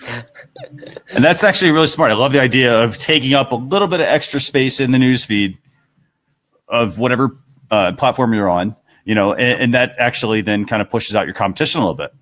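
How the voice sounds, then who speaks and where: A man's voice: medium pitch, brisk, a bit bright. A man hosting a talk show, casually explaining tools and tips to his audience and fellow panelists.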